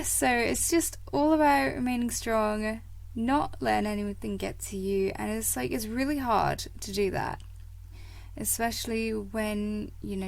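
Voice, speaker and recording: A woman hosts a motivational podcast, talking casually and wandering off track, with many fillers and small laughs. Her mid-range voice is croaky from a cold coming on, and there is no room sound.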